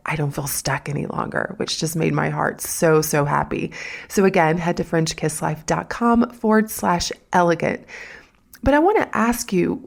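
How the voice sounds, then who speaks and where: A woman's voice: on the low side, vocal fry, a little mellow. A woman with a Southern US accent hosting a solo podcast, talking in a chatty, folksy way with asides to her listeners. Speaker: podcast host.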